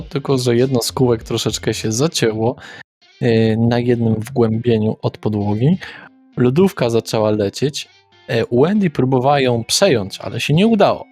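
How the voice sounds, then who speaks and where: A man narrating a tabletop game as game master, describing scenes slowly and deliberately, with hesitant pauses. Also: medium pitch, darkish tone. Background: faint background music.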